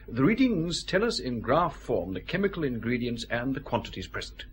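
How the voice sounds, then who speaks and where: An actor playing a precise customs officer who patiently explains a lab analysis. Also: male voice, medium pitch, big pitch swings, normal speed, slight background noise, close to an everyday voice. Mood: explaining. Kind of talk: radio drama acting.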